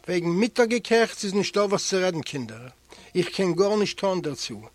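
A man's voice: sits high, big pitch swings, moderate pace. A man voicing a kindly fatherly prison guard. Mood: urging.

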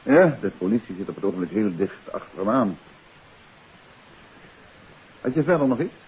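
A man's voice: on the low side, sing-song, normal speed, breathy edge, full character voice. A man acting a composed, courteous private detective in a 1950s radio drama, speaking in a polite, probing, conversational way. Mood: reassuring. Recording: hissy, narrow-band 1950s radio recording.

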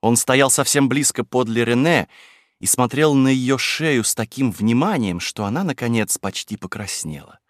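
A man narrating a classic novel aloud in an even, measured storytelling manner. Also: mid-range voice, no echo, studio quality. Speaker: audiobook reader.

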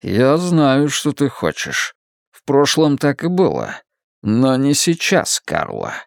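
A man voicing a calm, quiet, restrained middle-aged father. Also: medium pitch, slow, gravelly, no echo, clean studio sound, heavily acted.

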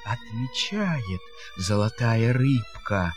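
A man's voice: mid-range voice, animated, drawn-out words, soft background music. A man narrating a fairy tale in verse as a storyteller, with a theatrical, singsong delivery.

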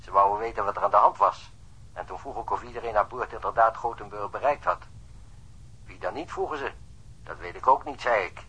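A man's voice: lowish voice, brisk, pushed and bright, husky, full character voice, rough recording. An actor playing a diligent provincial policeman earnestly reporting his findings in a radio drama. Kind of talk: Dutch radio drama acting.

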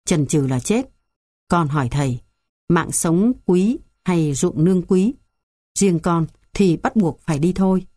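A woman's voice: lowish voice, dark tone, no echo, studio quality. A woman reading the lines of an old village landowner, earnest and anxious. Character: worried old village landowner, elderly man.

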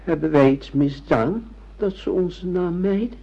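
A dull, lo-fi radio drama recording of a bewildered middle-aged father who has lost his memory. He speaks slowly in a soft, mellow tone, feeling his way through hesitant, earnest questions. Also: sits high, gravelly, full character voice. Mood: searching, unsure. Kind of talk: radio play acting.

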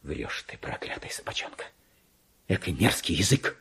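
An actor playing a lowly, paranoid, resentful male clerk in a dramatic radio monologue, brooding and muttering with theatrical outbursts. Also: big pitch swings, normal speed, gravelly, a bit bright, breathy edge, in a whisper, exaggerated voice. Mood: bitter, muttering.

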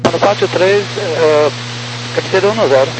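A man's voice: high voice, moderate pace, over music. A man, a pilot, giving short, clipped replies to the tower over a two-way aviation radio. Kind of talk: radio call to a control tower. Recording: noisy radio transmission with hum.

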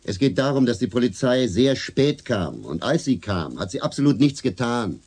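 An actor playing an assertive, self-assured gay activist in a naturalistic radio drama, insistent and matter-of-fact. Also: male voice, medium pitch, sing-song, normal speed, darkish tone, husky. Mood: indignant, insistent.

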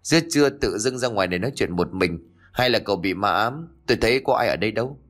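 A man doing a gruff, cunning old scold. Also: on the low side, expressive, fast talker, fairly bright tone. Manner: scolding, blunt.

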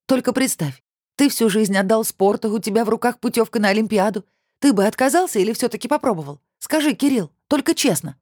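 A furious young ex-fiancée whose voice rings high and sharp as she shouts her hurt, stubborn and proud, put on by a male audiobook reader. Her tone stays hot with indignation and near tears, a storybook drama. The dry, close recording carries no room at all. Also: animated, a little fast, no room sound. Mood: pleading. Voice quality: ringing raised voice. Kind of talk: audiobook character reading.

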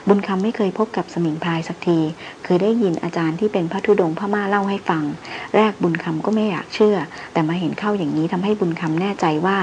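Woman voicing an old superstitious tracker, earnest, pleading, lowish voice. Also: steady tone, quick pace, darkish tone, slight background noise, natural voice, rough recording. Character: superstitious old male jungle tracker, anxious.

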